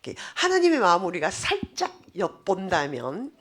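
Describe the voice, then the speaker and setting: A woman pastor giving a sermon, explaining scripture in an animated way and asking the congregation rhetorical questions. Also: medium pitch, a little fast, slightly rough.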